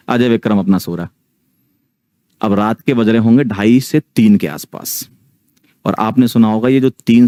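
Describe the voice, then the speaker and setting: A man in his thirties tells a story in a relaxed, chatty way, often pausing to check in with his audience. His voice sits low and mellow. The sound is dry and close, with no room in it. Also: no echo. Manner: chatty, keeps checking in with the listeners. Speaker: online teacher telling a ghost story. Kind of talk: casual storytelling to a live audience.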